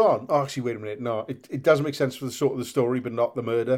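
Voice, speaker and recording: Talking at a very fast pace, a man speaks with a Welsh accent. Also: very clean recording, silent background. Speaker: comedian. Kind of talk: casual chat.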